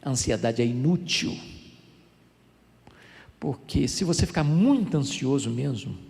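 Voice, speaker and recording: Brief: older male Brazilian pastor, lively gravelly sermon delivery, reverberant hall. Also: medium pitch, unhurried. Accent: Brazilian Portuguese. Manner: animated storytelling preacher, dramatic swings.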